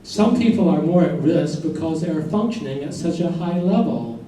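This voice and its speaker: Stage play doctor male actor: advising, reassuring, very soft dark tone, lively intonation, distant pickup. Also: a little high, moderate pace, close to an everyday voice. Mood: clinical. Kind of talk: staged reading, doctor's instructions. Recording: very echoey distant stage recording, faint noise.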